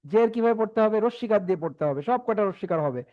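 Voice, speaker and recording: A man teaching a Quran reading class, patiently saying each letter sound slowly and having the class repeat after him. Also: sits high, expressive. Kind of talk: online class lesson. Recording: dull lo-fi.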